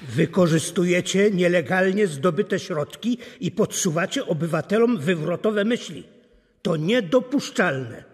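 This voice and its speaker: In a long hall reverb a male state censor in a radio play. He speaks slowly and sternly in a high, husky voice, menacing and official. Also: lively intonation, full character voice. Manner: slow, stern, bureaucratic. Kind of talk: radio drama acting.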